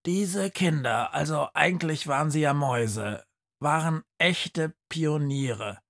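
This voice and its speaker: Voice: medium pitch, slow pace, fairly bright tone, voice pushed up. A narrator voicing an invisible, headless professor creature in a trench coat, lecturing a class a bit hesitantly in an audiobook. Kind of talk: audiobook character voice.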